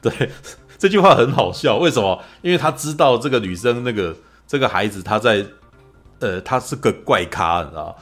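Fast-talking Taiwanese man, lively storyteller. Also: mid-range voice, soft background music. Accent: Taiwanese Mandarin. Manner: animated storyteller, acts out quoted lines, frequent "你知道吗" asides. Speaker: podcast host. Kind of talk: casual film discussion.

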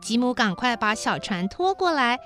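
A woman storyteller narrating a children's story in a gentle, expressive reading. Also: on the high side, moderate pace, faint music behind.

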